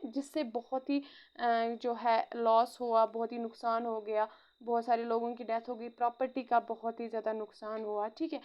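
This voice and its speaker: Woman, history teacher, frequent check-ins, slightly high voice, lo-fi muffled recording. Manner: frequent "theek hai" check-ins, mixes English phrases. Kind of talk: exam-prep history lecture.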